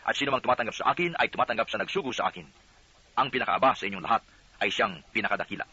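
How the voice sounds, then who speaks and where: Brief: calm authoritative male teacher, read by a male narrator, bright brisk voice, lo-fi sound. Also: fairly low pitch, slightly rough, no echo. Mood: solemn. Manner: solemn, teaching cadence. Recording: dull lo-fi audio.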